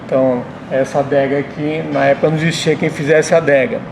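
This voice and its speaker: A middle-aged man answers interview questions as a restaurant owner, explaining things in a measured way, over faint room noise. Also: a little high, steady tone, vocal fry.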